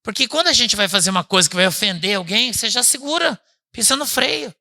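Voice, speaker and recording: A male pastor preaches in a loose, chatty way, his voice bright and forceful. He keeps checking in with the congregation and addressing them as brother. His delivery swings between loud, emphatic peaks and low, quiet asides. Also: very animated, quick pace. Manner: chatty, asks the congregation "né?" and calls them "irmão". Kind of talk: conversational sermon. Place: church service.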